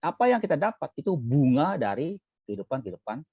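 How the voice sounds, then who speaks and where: A man preaching a Buddhist sermon in a relaxed, conversational way, asking and answering his own questions and acting out little scenes. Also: a little high, slightly rough, no echo, lo-fi sound. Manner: acts out little scenes with quick exclamations. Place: temple service streamed live.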